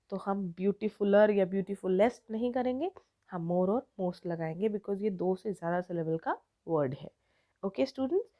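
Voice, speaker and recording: In a mellow, mid-range voice, an Indian-accented woman walks through an online grammar lesson word by word at a slow pace, switching back and forth between Hindi and English.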